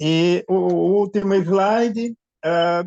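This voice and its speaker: The man's voice is high-pitched with fairly even intonation, recorded with a dry, close sound and no echo. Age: 80s+. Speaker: author. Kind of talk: casual chat. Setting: video call. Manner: halting.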